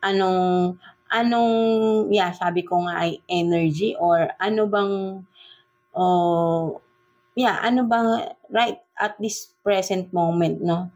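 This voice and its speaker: A woman's voice: on the low side, darkish tone. A woman with a Filipino accent giving a casual tarot reading in Taglish, chatty and full of fillers, often tagging her sentences with "no?" and "right?". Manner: chatty, slow, filler-heavy Taglish with frequent "no?" and "right?" tags. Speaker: tarot reader.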